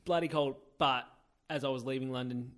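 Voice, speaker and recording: A man's voice: medium pitch, steady tone, a little fast. A man co-hosting a podcast in casual, blokey banter with short interjections. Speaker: podcast co-host. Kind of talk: casual chat.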